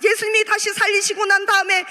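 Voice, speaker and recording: A middle-aged woman preaching a fervent revival sermon in a large prayer hall, moving between chatty asides and loud cries. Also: extremely high pitch, little pitch movement, fast talker. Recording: long hall reverb.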